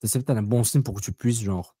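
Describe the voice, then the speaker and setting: A man's voice: fairly low pitch, a little fast, mellow, husky, no echo, clean studio sound. A man co-hosting a casual soccer podcast, talking bluntly, repeating himself and slipping in English words. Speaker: podcast co-host.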